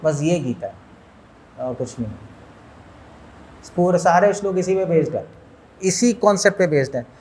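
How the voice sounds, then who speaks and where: A man's voice: on the high side, expressive, moderate pace, long pauses, darkish tone. A man, a monk, giving a spiritual lecture to an audience, asking them questions and mixing in English words. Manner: asks listeners questions, mixes in English words.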